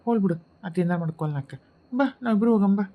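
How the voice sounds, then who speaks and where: Sly grumbling female ghost, North Karnataka Kannada accent, mid pitch, voiced by a woman. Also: expressive, fast, phone-quality sound, lightly acted. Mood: coaxing. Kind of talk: cartoon voice acting.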